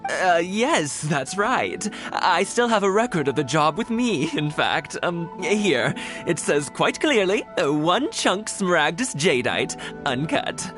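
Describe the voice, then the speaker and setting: An actor voicing a careful, courteous middle-aged jeweler in a video game who speaks hesitantly. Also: male voice, fairly high pitch, very animated, slow pace, hardly any pauses, fairly bright tone, faint music behind, exaggerated voice.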